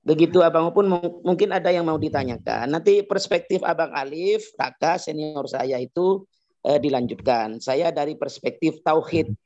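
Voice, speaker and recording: A man's voice: fairly high pitch, moderate pace, a little mellow. Man reciting and explaining hadith, lo-fi. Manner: cites hadith sources at length, recites Arabic. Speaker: Islamic teacher. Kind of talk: religious explanation to a guest. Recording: dull lo-fi sound.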